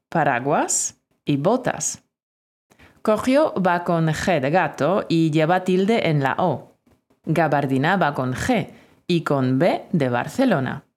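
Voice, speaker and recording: Slow, lively-voiced woman teacher dictating. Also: fairly low pitch. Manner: clear, deliberate dictation. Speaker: Spanish teacher. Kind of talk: spelling dictation lesson.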